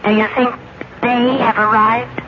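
A woman's voice: a little high, flat delivery, measured pace, slight background noise, close to an everyday voice. Anxious, mistrustful wife played by a woman, 1950s radio sci-fi, thin muffled vintage recording. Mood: worried, pleading. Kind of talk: 1950s radio drama acting.

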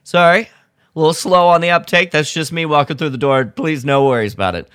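A man's voice: on the high side, fairly quick, fairly bright tone, clean tone, dry recording, clean studio sound, lightly acted. A man voicing a bumbling, apologetic, over-polite rookie trooper in a comic retelling. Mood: sheepish. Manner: sheepish.

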